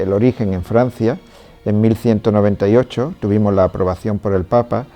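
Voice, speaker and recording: A man with a low, dark and mellow voice, speaking as a priest. He explains things in a measured, steady way during an interview testimony. Soft music plays faintly behind him. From Córdoba, Spain. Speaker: Trinitarian priest and charity president.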